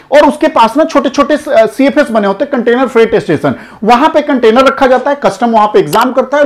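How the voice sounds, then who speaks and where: A man in his thirties who hosts a channel, explaining an auction listing to camera in a lively, direct way, recorded indoors on a lapel mic. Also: extremely high pitch. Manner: energetic, gestures broadly, addresses viewers directly. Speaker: customs auction consultant and channel host. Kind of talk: explainer to camera in front of a screen. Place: indoor studio before a projected screen.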